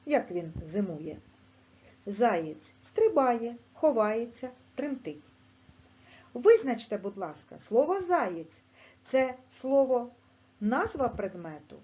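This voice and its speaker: Ukrainian woman teacher for kids' lesson; mellow voice, lively pitch, lo-fi sound. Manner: slow, clear, sing-song teacher talk with lively pitch. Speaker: primary school teacher. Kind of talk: online language lesson for children.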